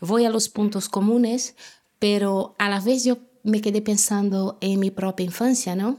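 In a very clean recording with a silent background, a woman with a Brazilian accent speaks at a very slow pace with a dark, mellow tone, a medium pitch and ordinary pitch variation. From Brazil, Rio de Janeiro. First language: Portuguese (speaking Spanish). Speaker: photographer and artist. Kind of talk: casual chat.

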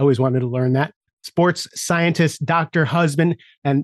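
A man with a normal speaking voice, fairly quick pace and ordinary pitch variation, in a dry, close sound with no echo. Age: 60s. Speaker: podcast host. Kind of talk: interview conversation.

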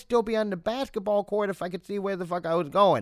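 Male voice with a New York accent in a very clean recording, silent background. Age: 60s. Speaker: podcast host. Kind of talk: monologue intro; casual interview chat.

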